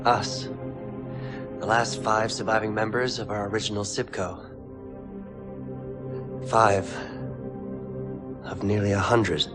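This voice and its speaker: A man playing a gentle, self-doubting young cadet in a video game cutscene, subdued and sincere. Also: lowish voice, flat delivery, slow pace, pauses often, over music. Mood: quiet pride. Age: young adult.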